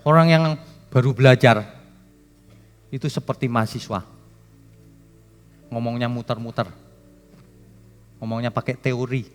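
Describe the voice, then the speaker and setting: A man preaching a sermon as pastor, emphatic and joking with the congregation, his voice swinging from loud to soft. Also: medium pitch, steady tone, unhurried, long pauses, big-room sound, faint music behind. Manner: jokes with the congregation.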